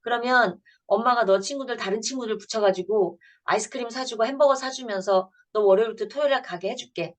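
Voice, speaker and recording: A woman's voice: a little high, fast, hardly any pauses. Earnest woman pastor lecturing parents. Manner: earnest storytelling, acting out family dialogue. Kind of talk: church lecture.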